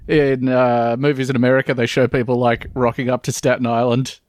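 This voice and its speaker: A man's voice: medium pitch, little pitch movement, brisk, a little mellow, dry recording. A man co-hosting a comedy podcast, joking dryly and trailing off as he talks. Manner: dry, joking, trails off into mumbles. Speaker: podcast co-host. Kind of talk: casual comedic chat.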